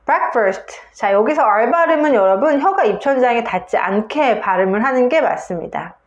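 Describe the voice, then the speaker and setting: A woman's voice: a little high, animated, a little fast, roomy sound, muffled recording. A woman English teacher giving a video lesson on pronunciation, explaining step by step and saying example words aloud.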